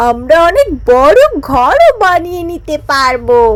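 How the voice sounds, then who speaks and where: Lively intonation carries a cartoonish character voice over light background noise. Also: woman, high pitch for a woman. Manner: sweet on the surface, scheming underneath.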